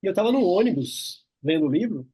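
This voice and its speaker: High-pitched husky male interviewer. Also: sing-song, quick pace, dark tone, no room sound. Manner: reflective, tells personal anecdotes. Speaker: interview host. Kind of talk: casual interview chat.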